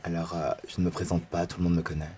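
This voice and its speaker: A man with a husky voice, the host's friend, gossiping in a camp, teasing drawl during casual banter. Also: level tone, fast talker, very noisy. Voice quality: husky low voice. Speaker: guest friend.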